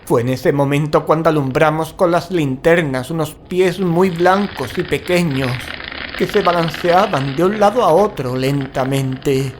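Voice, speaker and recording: An actor playing a frightened, earnest paranormal investigator, narrating a horror audio drama. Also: male voice, a little high, unhurried, slight background noise, lightly acted. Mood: grave, suspenseful. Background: music.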